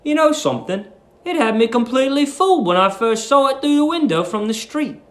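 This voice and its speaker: Man playing a high-voiced, naive young lodger. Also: animated, brisk, a bit bright. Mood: amazed, admiring. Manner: earnest, exclaiming, well-mannered. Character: naive, polite young male lodger, easily impressed.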